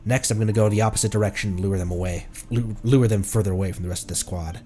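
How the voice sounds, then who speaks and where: A man's voice: fairly low pitch, fairly even intonation, fast talker, dark tone. A man commentating live on a game he plays and reading its text aloud, in a playful, exclaiming manner. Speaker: game streamer. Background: music.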